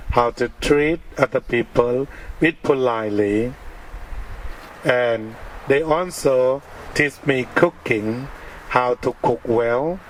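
A Thai-accented man speaks as a Buddhist monk giving a dharma talk. He delivers his words slowly and deliberately, in short measured phrases. His pitch sits in an ordinary middle range for a man. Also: slight background noise, rough recording. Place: outdoor park gathering.

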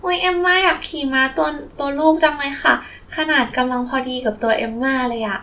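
A woman plays a sweet little girl in a toy play, with a very high voice. She is eager and polite, and exclaims excitedly. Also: fairly quick, vocal fry, exaggerated voice. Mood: delighted. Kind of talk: children's toy play storytelling.

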